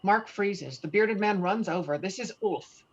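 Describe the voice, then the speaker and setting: A woman's voice: medium pitch, unhurried. A woman narrating the stage directions of a screenplay in an online table read, with muffled lo-fi sound. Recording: muffled lo-fi video call audio.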